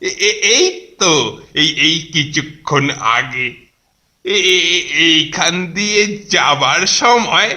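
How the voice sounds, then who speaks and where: Cartoon role: man playing a fussy, stammering old grandpa, bright tense voice, raised pitch. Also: lively intonation, slow, exaggerated voice. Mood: fretful. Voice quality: hesitant stammer. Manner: grumbling, scolding. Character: stammering grumpy old grandfather, petty and scolding. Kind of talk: cartoon voice acting.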